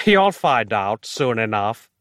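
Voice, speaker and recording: A man voicing a gloating villainous mastermind, with a theatrical, drawn-out menacing delivery. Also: on the low side, very animated, fairly bright tone, dry recording, clean studio sound, full character voice. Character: gloating villainous male bone-obsessed mastermind.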